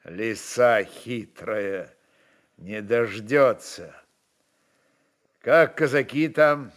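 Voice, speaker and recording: A man's voice: mid-range voice, extremely slow. A man playing a commanding, wily Cossack chieftain who talks in terse, folksy dialect. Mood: guarded, brisk. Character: commanding, wily Cossack chieftain, male, gruff but playful.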